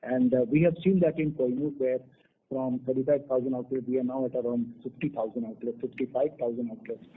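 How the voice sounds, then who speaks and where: A man, a company executive, answering analysts' questions on an earnings call, halting with many fillers. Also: medium pitch, steady tone. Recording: tinny phone line.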